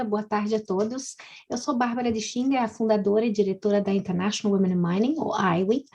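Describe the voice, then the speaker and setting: Woman, slightly raised pitch, breathy, calm, fluent, webinar panel. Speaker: founder and director of a nonprofit. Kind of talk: panel presentation.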